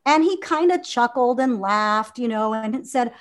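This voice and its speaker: A woman's voice: a little high, animated, a little slow. A woman in her fifties from Venezuela, a guest in an interview, talking earnestly with many fillers and restarts. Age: 50s. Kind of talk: conversational interview.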